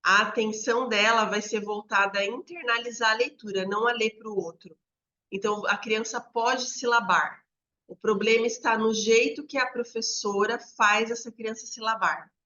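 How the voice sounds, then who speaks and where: A woman educator walks listeners through how children learn to read, pausing often to check that they follow. Her voice is bright and forceful. The recording sounds a little dull and lo-fi. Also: a little high. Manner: explains step by step, frequent "né?" checks with listeners. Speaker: literacy educator. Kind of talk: explanatory teaching talk.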